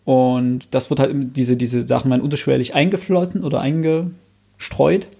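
A man's voice: mid-range voice, steady tone, moderate pace, gravelly, dark tone, breathy edge. A man in casual podcast chat, thinking aloud with frequent restarts and enthusiastic recommendations, close on a studio mic.

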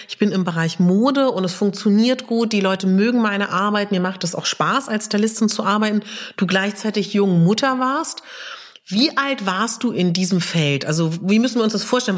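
A woman with a mid-pitched voice conducts a conversational interview. She is an attentive listener who phrases her questions informally, as they come to her. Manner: attentive, frequent listening sounds.

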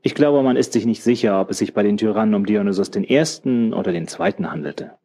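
A man voicing a learned old man who explains a legend in a measured, lecturing way. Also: fairly low pitch, dark tone. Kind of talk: audiobook character voice.

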